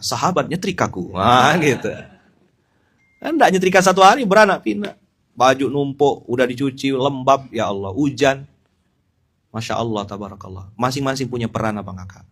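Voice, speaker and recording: Animated preacher. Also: male voice, mid-range voice. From Pontianak, West Kalimantan. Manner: animated, joking, addresses listeners directly. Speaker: Islamic preacher. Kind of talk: informal sermon.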